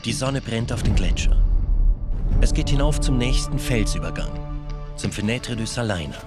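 A man giving calm, measured scripted narration for a documentary, recorded as a studio voice-over. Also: mid-range voice, loud music behind the voice.

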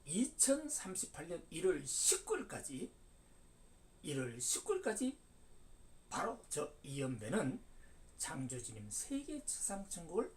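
A man's voice: on the high side, huge pitch swings, measured pace, slight background noise. A man in his seventies giving an emphatic religious lecture, declaiming with sudden rises and falls. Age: 70s. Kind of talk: preaching lecture. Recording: distant mic.

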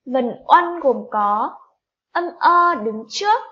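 Slow, high-voiced woman teacher spelling for children. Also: animated. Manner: drawn-out syllable-by-syllable spelling, coaxing questions to children. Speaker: primary school teacher. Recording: slightly dull lo-fi recording.

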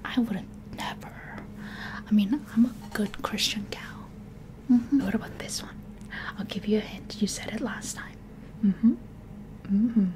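A woman's voice: medium pitch, fairly even intonation, measured pace, pauses often. A woman in her twenties whispering a chatty, playful ASMR roleplay up close to the microphone. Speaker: ASMR video creator.

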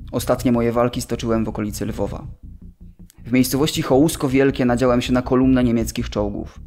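An actor playing a young Polish soldier and former medical student, recounting his memories in a measured, matter-of-fact way for a documentary radio drama. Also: medium pitch, darkish tone, lightly acted.

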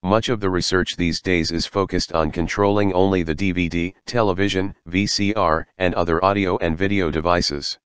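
A man reading a scripted passage aloud in a measured, formal way, as a model answer. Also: low voice, steady tone, fairly bright tone, clear, resonant tone, no echo. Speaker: reader of model answers for an English speaking test.

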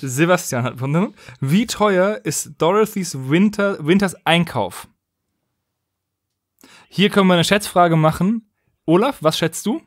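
Man hosting a casual quiz, higher-pitched, dry sound. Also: unhurried, no room sound. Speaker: podcast host and quizmaster.

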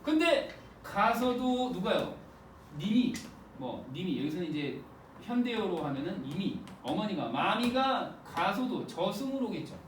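A man teaching an exam-prep literature lecture in a lively, joking way, acting out lines as he explains. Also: high voice, measured pace, echoey room, distant mic, a little hiss or hum. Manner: lively and playful, jokes and acts out quotes.

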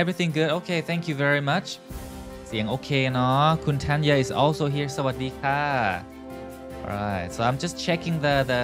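A man hosting a live online English lesson, speaking slowly and clearly with many fillers. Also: medium pitch. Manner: switches between Thai and English, slow and clear with many fillers.

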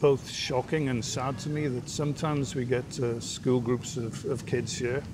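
Welsh-raised man, articulate and relaxed. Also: medium pitch, unhurried, noisy background. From Wales. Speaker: aquarium director. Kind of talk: TV interview. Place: outdoors at a seaside aquarium. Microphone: lapel mic.

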